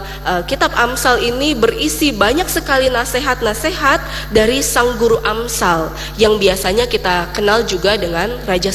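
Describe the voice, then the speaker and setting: A woman from Indonesia preaches a Sunday sermon with a fairly high voice. She keeps turning to the congregation with direct address and little questioning tags. The room rings with a long reverb, and soft music plays faintly under her. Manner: addresses congregation often, ends phrases with tag questions.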